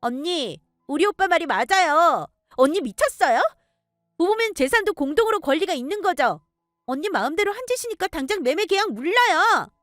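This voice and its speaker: A woman voicing a whiny, entitled young sister-in-law in a told story, with a shrill, high-strung delivery. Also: big pitch swings, normal speed, a bit bright, no room sound, studio quality, soft background music, heavily acted. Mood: indignant.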